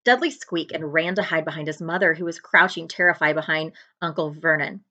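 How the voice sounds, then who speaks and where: A woman reading a children's book aloud as a librarian would, in an expressive narrating style. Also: deep voice, a little fast, highs cut off.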